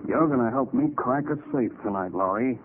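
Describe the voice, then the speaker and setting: A man plays a tough American crook in an old radio crime drama. He drawls threats in gangster slang with a widely swinging pitch. The sound is narrow and hissy. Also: expressive, fairly quick, close to an everyday voice. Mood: menacing. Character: menacing crook pressuring an old partner into a job. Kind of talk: 1940s radio acting. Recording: muffled hissy 1940s radio recording.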